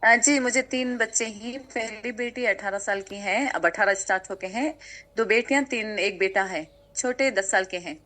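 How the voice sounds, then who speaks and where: A woman's voice: medium pitch, bright, forceful tone. A woman in her forties, a mother of three, asking a question hesitantly.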